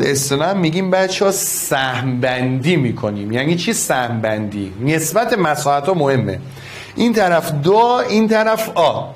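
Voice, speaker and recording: A man teaching a physics problem to an online class, coaxing and affectionate, repeating each step. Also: on the high side.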